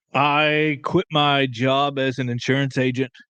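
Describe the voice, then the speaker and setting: Against a quiet background, a man speaks with a strong Southern US accent in a dry, close sound with no echo. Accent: thick Southern US. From US South. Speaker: golf professional. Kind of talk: casual podcast chat.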